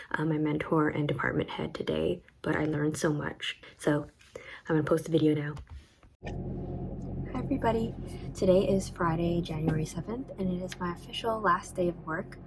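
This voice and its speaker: A young woman teacher talking in a casual, emotional vlog, with a raspy voice and a soft, reflective way of talking full of fillers. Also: low voice, normal speed. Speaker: high school history teacher.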